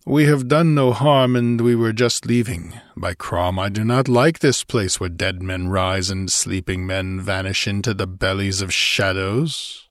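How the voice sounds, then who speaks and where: A man voicing a gruff, blunt barbarian warrior with grim humor in a fantasy audiobook, growling and snarling his words. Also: lowish voice, a little slow, hardly any pauses, no room sound, clean studio sound, close to an everyday voice. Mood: wary, gruff.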